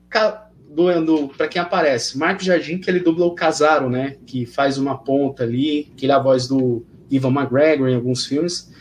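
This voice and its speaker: Using a plain, everyday voice, the speaker goes at a moderate speed with ordinary pitch variation. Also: man. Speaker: podcast host. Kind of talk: casual live-stream chat. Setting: live stream.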